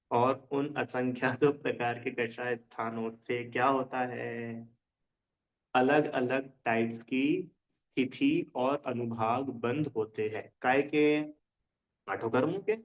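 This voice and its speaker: A man teaching a religion class in casual Hindi. He often checks whether his students understand and explains with everyday examples. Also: mid-range voice. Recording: dull lo-fi sound.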